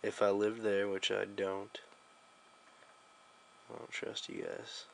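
A man's voice: fairly low pitch, completely flat delivery, slow, vocal fry, fairly bright tone. A young American man giving a casual, slangy, joking app demo as a video reviewer.

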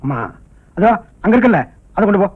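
A man's voice: high-pitched, expressive, quick pace, breathy edge, narrow, tinny audio. A stern village father. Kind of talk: film drama dialogue.

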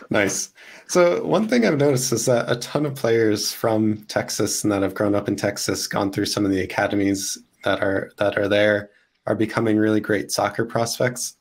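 A man's voice: fairly low pitch, moderate pace, gravelly. A man in his thirties hosting an interview over a video call from his home office, talking with energy. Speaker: host. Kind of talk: upbeat interview host, reads sponsor ad.

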